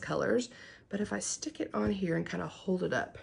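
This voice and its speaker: A woman with an American accent, vocal fry and a fairly quick pace. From US South, Memphis, Tennessee. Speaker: cross-stitch vlogger. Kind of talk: casual show-and-tell vlog. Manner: chatty, many fillers; may talk too loud.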